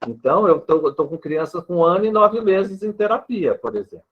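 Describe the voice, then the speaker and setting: Very animated and fairly quick, a man with a high-sitting voice explains things in an interview answer. A speech therapist with a Brazilian Portuguese accent, he patiently offers examples and habitually closes his sentences with a questioning "né." The sound is dull and lo-fi.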